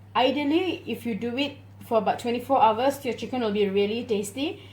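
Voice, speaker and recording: Recorded with audible room echo, a woman speaks at a high pitch with ordinary pitch variation. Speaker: cooking channel host. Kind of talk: cooking tutorial. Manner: slurring.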